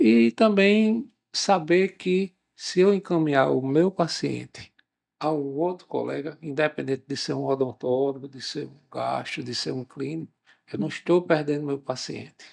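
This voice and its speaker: At a fairly slow pace, a man with a fairly high pitch and an unremarkable speaking voice shows ordinary pitch variation and big swings in loudness. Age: 60s. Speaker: veterinary dentist. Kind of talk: podcast interview.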